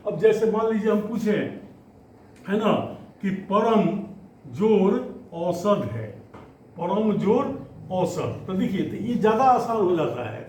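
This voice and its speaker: A man teaching Hindi grammar to students, explaining slowly and often stretching out words as he goes. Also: high voice, lively intonation, darkish tone, a little hiss or hum. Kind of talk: classroom lesson. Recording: echoey room, faint ambience.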